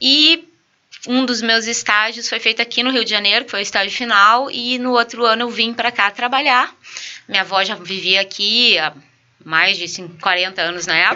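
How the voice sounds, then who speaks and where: A woman with a Rio Grande do Sul accent talks at a moderate pace and a fairly high pitch, with ordinary pitch variation. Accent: gaúcho accent (Rio Grande do Sul). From southern Brazil, Rio Grande do Sul (Uruguaiana, Argentine border). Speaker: veterinarian and business owner. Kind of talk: casual interview.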